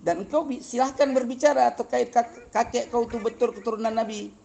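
A man argues with his viewers on a live stream, taunting and confrontational, now and then chuckling at them. His voice sits high for a man and has a gravelly, creaky edge. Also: fairly quick, mellow. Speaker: livestream debater answering viewers. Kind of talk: heated live-stream argument.

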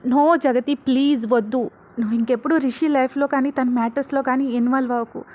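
A woman's voice: sits high, steady tone, fairly quick, lightly acted. A woman reading as an angry middle-aged husband. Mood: reproachful. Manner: loud, reproachful.

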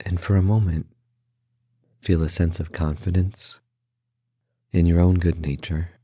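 Very deep, husky man guiding meditation slowly. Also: dry recording, studio quality. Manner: calm, unhurried pauses between short phrases. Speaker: meditation guide. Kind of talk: guided meditation, slow spoken instruction.

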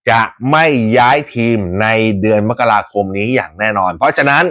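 Chatty, slangy Thai football fan host. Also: male voice, mid-range voice, normal speed. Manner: chatty, animated, rough slang, laughs often. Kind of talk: casual football talk to viewers.

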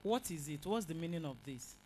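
A woman's voice: low-pitched, lively intonation, fairly quick, darkish tone, a little hiss or hum. A young woman playing a confident Christian student who scolds and preaches.

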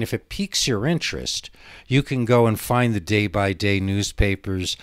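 Low-voiced man rambling on a podcast. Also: no echo, studio quality. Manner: digressive, hesitant. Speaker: podcast host. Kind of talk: rambling casual solo monologue.

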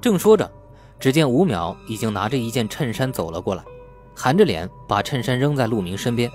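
Expressive male audiobook narrator over music. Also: medium pitch, a little fast. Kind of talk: scripted dramatic novel narration.

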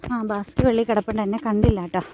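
A woman's voice: medium pitch, fairly even intonation, very fast, background noise. A middle-aged woman from Kerala, India, narrating a casual family vlog in a chatty way, talking straight to her viewers as she walks home. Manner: chatty, addresses viewers directly with tag questions. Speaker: family vlogger. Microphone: handheld phone.

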